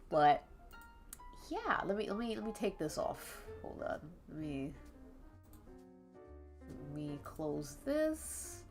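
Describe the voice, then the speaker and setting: A young woman with a congested, stuffy nose, chatting casually and rambling to her chat while she draws, laughing often. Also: medium pitch. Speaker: art streamer. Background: faint calming jazz music.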